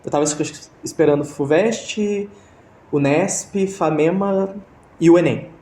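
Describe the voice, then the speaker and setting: A man's voice: a little high, slow pace, mellow, slight background noise. Hesitant Brazilian man in an echoey room. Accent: Brazilian Portuguese. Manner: hesitant, many restarts and fillers. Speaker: interview guest. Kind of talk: casual storytelling interview.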